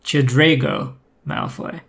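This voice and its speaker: A man's voice: medium pitch, fairly even intonation, slow, gravelly, a bit bright. Podcast guest, male, conversational, thoughtful, frequent restarts. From Brazil. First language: Portuguese. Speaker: guest, former community manager.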